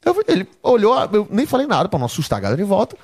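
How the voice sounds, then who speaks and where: A man's voice: high-pitched, very fast. A young man, a comedian guest on a podcast, telling anecdotes casually with lots of swearing. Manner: animated anecdotes, heavy swearing.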